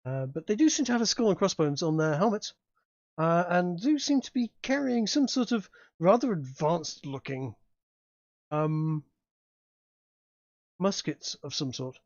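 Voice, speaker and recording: A man's voice: high-pitched, sing-song, darkish tone, no echo, dull audio. A man narrating a tabletop game as game master, describing scenes with frequent fillers and restarts. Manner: halting, many restarts and fillers.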